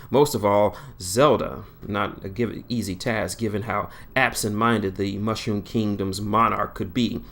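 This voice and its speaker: A man reading his own fan fiction aloud, unhurried and plain, with small slips. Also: lowish voice, fairly bright tone.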